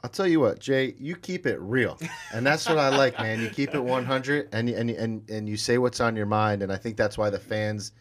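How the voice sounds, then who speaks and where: A man's voice: medium pitch, normal speed, few pauses. A man hosting a podcast, upbeat and praising his guest in a studio with a desk mic. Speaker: podcast host. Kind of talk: casual interview chat. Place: podcast studio with gold wall.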